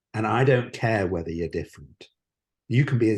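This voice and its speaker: Over a quiet background, a man with a British accent speaks in a somewhat breathy voice with lively intonation. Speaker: Chinese medicine practitioner and author. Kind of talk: interview.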